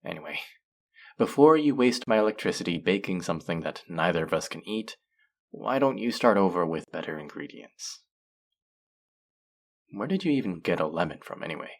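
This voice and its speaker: A man's voice: sits low, sing-song, normal speed, long pauses, heavily acted. A man playing a teasing, sardonic, flirtatious male faerie in a scripted audio roleplay. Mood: exasperated, sardonic. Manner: sardonic, teasing, drawling with sighs.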